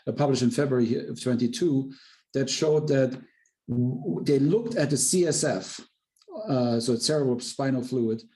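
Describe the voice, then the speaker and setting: A man speaking as a company executive answering questions on an earnings call, explaining in a halting way with repeated words. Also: medium pitch, mellow.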